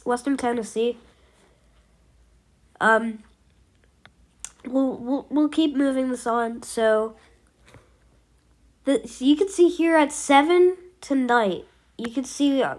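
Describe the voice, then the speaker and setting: A woman giving a casual storm update as an amateur weather forecaster, rambling and hesitant with many fillers, while she has a cold. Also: a little high.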